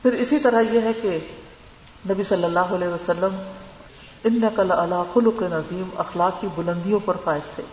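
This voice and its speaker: A woman's voice: lowish voice, fairly even intonation, a little mellow, a little hiss or hum. Woman teacher giving earnest religious advice, roomy hall echo, kinda dull lo-fi sound. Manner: earnest, advising, mixes in English words. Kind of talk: religious lecture.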